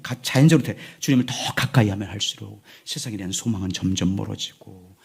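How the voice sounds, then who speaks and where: A man in his sixties, a pastor preaching a sermon in a church, moving between loud emphatic lines and hushed, near-whispered ones. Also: medium pitch, vocal fry, breathy edge. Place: church sanctuary.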